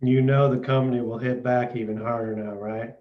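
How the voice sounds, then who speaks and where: Dull, lo-fi audio carries a man acting as a stern and wary miner in a drama table read. His voice is of middling pitch. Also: little pitch movement, fairly quick, natural voice. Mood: grave warning.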